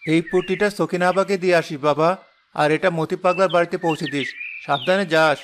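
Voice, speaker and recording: An actor voicing a humble, poor middle-aged village father in a cartoon, gentle and modest. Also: on the high side, fairly even intonation, brisk, slight background noise. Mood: fatherly. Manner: warm, humble. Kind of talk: cartoon voice acting. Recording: music underneath.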